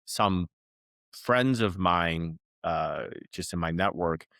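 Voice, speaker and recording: A man from China, a guest, speaking in a relaxed, candid interview manner with many "like"s. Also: low-pitched, slow, dry recording, clean studio sound. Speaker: guest, company founder. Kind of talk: casual interview talk.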